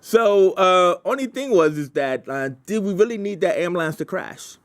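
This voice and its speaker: A man's voice: sits high, lively intonation, moderate pace, no room sound. A man leading a group discussion casually, in an informal, jokey way, prodding people with questions. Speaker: workshop leader giving script feedback.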